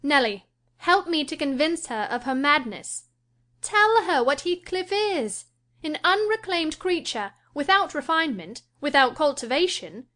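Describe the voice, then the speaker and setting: A woman putting on a proud, haughty young lady who speaks in a high voice. Her pitch sweeps widely as she scolds with scorn and force. This is a storybook character in an audiobook. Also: a bit bright. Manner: scornful and emphatic.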